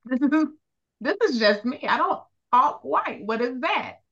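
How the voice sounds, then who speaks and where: A woman's voice: sits high, expressive, measured pace, bright, forceful tone, muffled recording. A woman with an African American, Southern US accent talking candidly and reflectively in a casual panel discussion. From US Midwest, later moved to the South.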